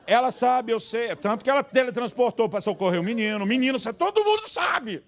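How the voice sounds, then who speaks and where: A man's voice: extremely high pitch, a little fast. A male pastor preaching a humorous sermon, telling anecdotes and acting out the voices in them. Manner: animated, acts out voices in anecdotes.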